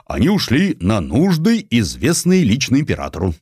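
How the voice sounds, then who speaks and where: A man's voice: mid-range voice, huge pitch swings, moderate pace, a little mellow, slightly rough, no echo, studio quality. A man voicing a brazen, thieving general with a mocking, self-assured manner in an audiobook. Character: brazen, smug thieving old-regime general.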